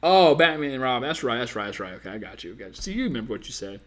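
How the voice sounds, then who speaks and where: A man's voice: medium pitch, very animated, very fast, a bit bright. A man hosting a dating-advice live stream, casually reading viewer comments and teasing them in a playful, slangy way.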